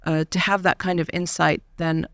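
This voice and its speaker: Woman podcast host, smooth resonant voice, measured delivery with fillers, dry studio sound. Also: fairly low pitch, little pitch movement, dry recording. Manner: measured, with frequent fillers and soft laughs. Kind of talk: podcast interview. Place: university studio.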